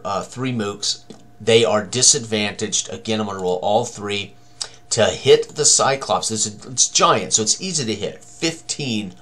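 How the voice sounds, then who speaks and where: Low-voiced older man thinking aloud. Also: a bit bright. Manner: talks to himself, exclaims mildly. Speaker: game tutorial presenter. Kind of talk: casual walk-through of tabletop combat, thinking aloud.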